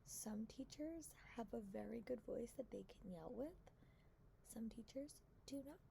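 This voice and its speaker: A young woman with a hoarse voice, chatting casually in a reading vlog and talking softly, half in a whisper, to spare her throat. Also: on the high side, unhurried, slight background noise, poor audio. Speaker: book vlogger.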